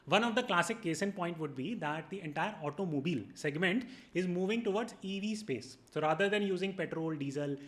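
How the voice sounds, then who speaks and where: A man's voice: high voice, animated, brisk, few pauses, a bit bright. A man with a North Indian accent, hosting an explanatory monologue for viewers in a didactic, emphatic way, laying out numbered points. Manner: didactic, emphatic, mixes in Hindi phrases. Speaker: video host and educator.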